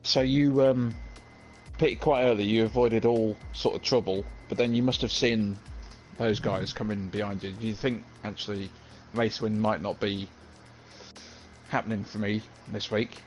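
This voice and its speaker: A man's voice: lowish voice, fairly even intonation, normal speed, darkish tone, lo-fi sound, soft background music. A man interviewing racers over voice chat in a casual, bantering style. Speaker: co-host interviewer. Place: voice chat from separate remote locations.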